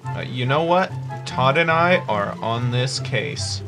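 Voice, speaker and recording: A man's voice: mid-range voice, takes it slowly. A young man giving playful, exasperated commentary while he plays a video game. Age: young adult. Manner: animated, exasperated banter. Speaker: gamer, video creator. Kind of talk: gameplay commentary with playful reactions. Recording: game music behind the voice. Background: loud game music.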